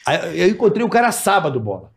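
A man hosting a casual chat, telling an animated story and acting out the voices of the people in it. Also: sits high, fast, vocal fry, husky. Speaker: podcast host.

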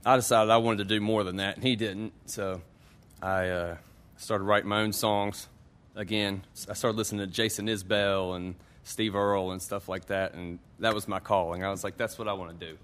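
A man, a singer-songwriter guest, answering interview questions in a loose, chatty way, with a loud voice. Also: fairly low pitch, steady tone, moderate pace, smooth. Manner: loose, chatty, laughs easily.

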